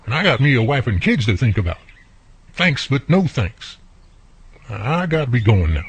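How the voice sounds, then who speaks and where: A man's voice: medium pitch, sing-song, moderate pace, a little hiss or hum. An actor playing a friendly, plainspoken country handyman neighbor with an American country accent, talking folksily in a radio drama. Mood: wary, firm. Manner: folksy, colloquial, drawling turns of phrase. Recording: muffled, lo-fi audio.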